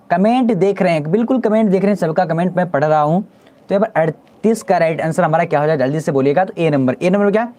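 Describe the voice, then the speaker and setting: A man teaches a live online exam-prep class. He asks question after question at a brisk clip and repeats each answer back to his students. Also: sits high, a little mellow.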